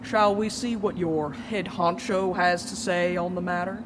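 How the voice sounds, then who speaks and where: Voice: mid-range voice, steady tone, measured pace, noisy background, close to an everyday voice. An actor playing a sly, gloating folksy villain with a drawl in an audio drama. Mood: smug, mocking. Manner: drawling, mocking, mannered.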